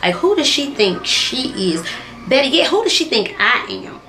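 A woman's voice: sits high, sing-song, normal speed, sharp tone. A young adult woman, a kindergarten teacher, telling a story in a casual, emphatic vlog style with slang. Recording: echoey room with faint ambient noise.

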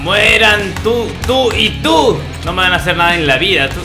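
A young man, talking over a game, joking and shouting at enemies. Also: high-pitched, moderate pace, music in the background. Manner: excitable, shouting at enemies, comic. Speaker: gaming youtuber. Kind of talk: playing a game.

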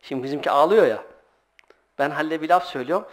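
A middle-aged man leads a relaxed sermon, his voice sitting a little high for a man. He moves between plain teaching and stories, doing the voices of the people in them. He laughs now and then as he talks. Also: very fast. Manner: animated anecdotes, acts out voices, laughs often. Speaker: religious teacher giving a monthly talk. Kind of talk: informal sermon with storytelling.

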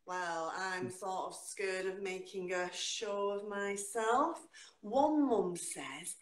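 A middle-aged woman with a Northern English accent performs spoken word poetry with big swings in pitch, then chats with a laugh in her voice. Her medium-pitched voice rings in an echoey room at home. She is heard over a video call. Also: slow pace, a little hiss or hum. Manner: lively, dramatic delivery with sudden jumps in pitch. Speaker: guest poet.

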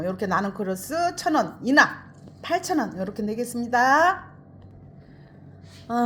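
A woman's voice: mid-range voice, a little hiss or hum. A middle-aged woman selling potted plants in a casual chat, repeating her words and addressing her viewers fondly. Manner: chatty, repeats words, talks to viewers as "flower friends". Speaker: plant seller hosting a sales stream.

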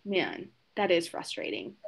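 A woman speaks in a chatty, encouraging way as she leads a training webinar for teachers. She keeps checking in with her listeners and now and then acts out quick exchanges with a child. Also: fairly low pitch, big pitch swings, gravelly, slight background noise. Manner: warm, encouraging, tag questions like "right?". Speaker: webinar presenter, trainer of educators.

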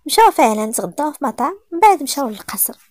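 A woman with a Moroccan accent narrating a romance story in a rapid, lively reading. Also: sits high, dry recording.

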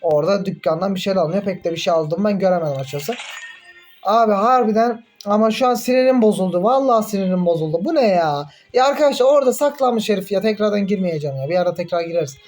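A young man commentating his own mobile game in casual chat, excitable, groaning and cursing when things go wrong. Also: high voice, fast talker, faint music behind.

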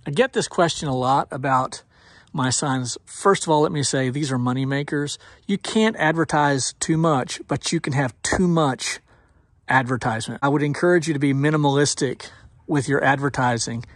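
A man's voice: mid-range voice, moderate pace, no echo, clean studio sound. A middle-aged man, a pressure washing business owner, giving a casual, folksy walkthrough of his work trailer outdoors in a driveway, recorded on a body-worn camera. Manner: folksy, explanatory, with fillers. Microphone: action camera worn on the body.

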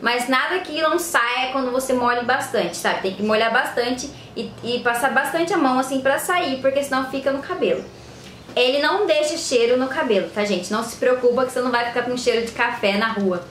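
A woman's voice: sits high, fairly quick, a bit bright, a little hiss or hum. Chatty young woman vlogger, echoey room. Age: young adult. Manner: chatty, addresses viewers directly. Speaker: beauty vlogger. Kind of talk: casual tutorial vlog. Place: room indoors, later a tiled kitchen.

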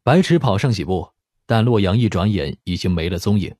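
A man's voice: low-pitched, lively intonation, brisk, a little mellow. A man reading a dramatic scripted audiobook narration.

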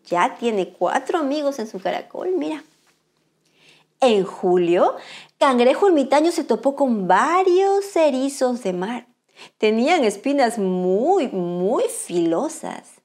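A woman reading a picture book aloud to children in a bright, sing-song, expressive manner. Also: sits high, slow. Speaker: children's storyteller, channel host.

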